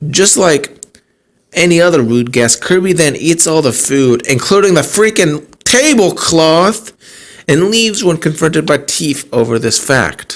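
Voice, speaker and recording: A fairly slow pace with very even loudness. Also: man, fairly high pitch for a man, lively intonation. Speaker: anime reviewer. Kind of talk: video review commentary. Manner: slower, less confident than now.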